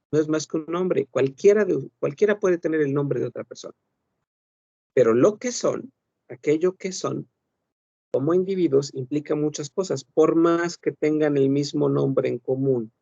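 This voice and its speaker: A man with a slightly higher, gravelly voice teaches a French class, explaining step by step and correcting himself as he goes. He asks his students rhetorical questions. The sound is dry and a little dull, like a basic computer microphone. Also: dark tone, dry recording. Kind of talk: online language class.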